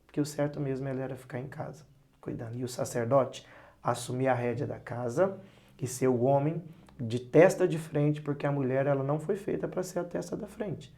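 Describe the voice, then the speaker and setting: A man's voice: medium pitch, a little fast, vocal fry. A man, a pastor and psychologist, giving earnest advice as a guest on a podcast and acting out parents and children in his stories. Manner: animated storyteller who acts out parents and children; earnest, advising. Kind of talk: podcast interview talk.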